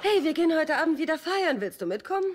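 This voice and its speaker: Wildly animated young party girl. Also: high-pitched, fast. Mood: teasing. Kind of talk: German-dubbed sitcom dialogue. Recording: very noisy dubbed TV soundtrack, laugh track.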